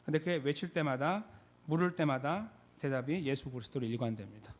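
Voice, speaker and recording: A man pastor giving a conversational sermon, with frequent filler pauses. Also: fairly high pitch. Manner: conversational, many fillers, reenacts shouted call-and-response. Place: church sanctuary.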